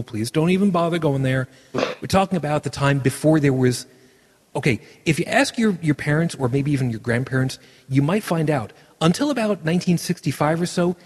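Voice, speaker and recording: A man's voice: fairly high pitch, darkish tone, breathy edge, in a large hall. A man hosting a podcast, rambling through his points with dry joking asides. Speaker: podcast host. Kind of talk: casual podcast conversation.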